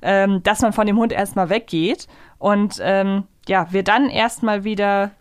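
Her voice is mid-range, clean and unhurried, with fairly even intonation. She co-hosts a podcast, casually and analytically reviewing audio dramas while thinking aloud. The studio sound is clean, with no room sound at all.

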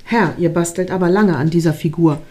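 A woman's voice: lowish voice, fairly quick, a little mellow, close to an everyday voice. A woman reading aloud, voicing a doubtful, fussy male angel helper who asks sighing questions.

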